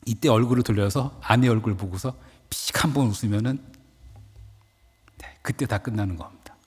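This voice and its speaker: A man's voice: fairly low pitch, moderate pace, husky, big-room sound. A male pastor delivering a dawn-service sermon with dramatic, emphatic storytelling. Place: church sanctuary.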